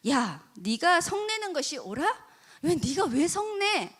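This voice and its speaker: Woman acting out fatherly god, patient, coaxing, high bright-pitched. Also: sing-song, moderate pace. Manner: coaxing, scolding gently.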